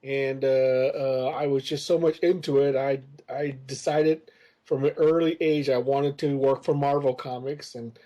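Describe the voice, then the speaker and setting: Warm-toned and medium-pitched, this comics creator speaks a little slowly with fairly even intonation. He is a US-raised man in his fifties, guesting on a podcast and rambling through long stories in a relaxed interview, filling them with hesitant "uh"s.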